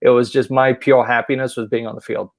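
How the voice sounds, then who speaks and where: Gravelly-voiced Polish-born coach, dry sound. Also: male voice, mid-range voice, a little fast, no room sound. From Poland. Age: about 40. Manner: relaxed storytelling. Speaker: university soccer head coach. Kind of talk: podcast interview.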